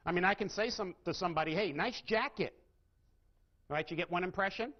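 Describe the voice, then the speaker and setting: A man's voice: sits high, rapid-fire, muffled recording. A man giving a live seminar talk, often putting questions to his audience and showing how inflection changes meaning. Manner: asks the audience rhetorical questions and demonstrates inflection. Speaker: seminar speaker.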